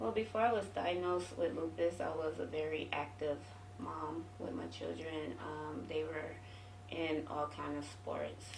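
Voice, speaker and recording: A woman with a slight St. Louis accent speaks at a fairly slow pace, with noticeable background noise and audible room echo. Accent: slight St. Louis Midwest. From San Diego, California, born in St. Louis, Missouri. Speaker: lupus patient advocate. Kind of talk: radio interview.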